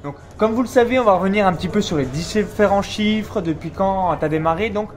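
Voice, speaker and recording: A man hosting a casual business interview at a seminar, explaining and coaching listeners in a brisk way. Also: sits high. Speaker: YouTube interviewer and host. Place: seminar venue.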